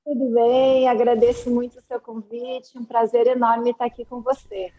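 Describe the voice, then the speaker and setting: A Brazilian woman in her forties from Curitiba, a guest telling her story calmly in an interview. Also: fairly high pitch, normal speed, dull audio. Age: 40s. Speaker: guest, ophthalmologist. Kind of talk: interview conversation.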